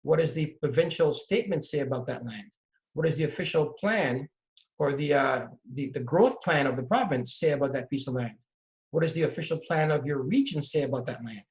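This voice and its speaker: Man, middle-aged, from Trinidad and Tobago, emphatic storyteller, slightly high voice, muffled lo-fi sound. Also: fairly quick. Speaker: real estate investor guest. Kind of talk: storytelling in conversation. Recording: dull lo-fi audio.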